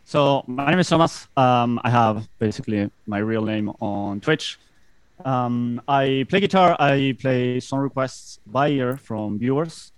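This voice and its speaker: A man talking as a podcast guest, soft-spoken and hesitant, often stumbling over his words. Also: medium pitch, unhurried, clean tone, no room sound. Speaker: guest, Twitch guitarist. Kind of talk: casual podcast interview.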